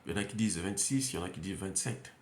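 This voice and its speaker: A man's voice: low-pitched, very fast, a little hiss or hum. A man with a Central African French accent giving an emphatic, unscripted monologue, repeating phrases and hesitating often. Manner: emphatic, repetitive, many hesitations. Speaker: commentator. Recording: roomy echo.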